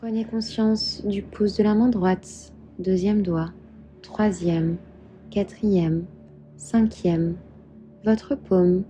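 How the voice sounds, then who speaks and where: Female yoga guide, deeply mellow and unhurried, calm meditation delivery, music underneath. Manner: calm, soothing, measured instruction. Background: soft background music.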